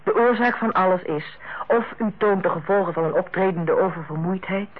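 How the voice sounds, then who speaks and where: An actress in a Dutch radio play as a female hospital director, authoritative yet kindly, speaking in a measured, formal and persuasive way. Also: fairly low pitch, natural voice. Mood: earnest, careful. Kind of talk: Dutch radio drama acting. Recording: muffled, band-limited old radio recording.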